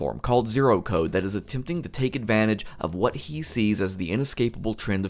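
The clip presents a natural reading voice.

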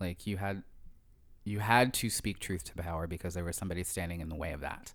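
Speaking at a very fast pace, a man with a Philadelphia accent has a very deep, low pitch and big swings in loudness. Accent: Philadelphia American. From US, Philadelphia area. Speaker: queer activist and burlesque performer. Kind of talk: casual chat.

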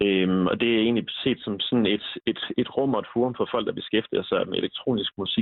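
A man speaks in an ordinary speaking voice at medium pitch, with fairly even intonation. His pace is moderate, with hardly any pauses. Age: 30s. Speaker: music venue organizer. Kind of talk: phone interview.

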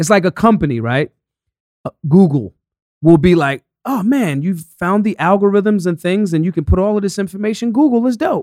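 A man with a high pitch and lively intonation speaks at a moderate pace, the sound dry and close with no echo. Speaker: firearms instructor and activist. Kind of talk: casual chat.

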